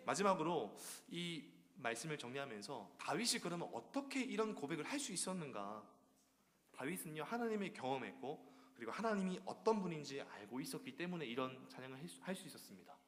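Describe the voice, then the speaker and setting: A male preacher delivers a sermon in a church, his voice lively and swooping in pitch. He leans on rhetorical questions to draw the congregation in. A long reverb from the sanctuary trails after his words. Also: fairly quick.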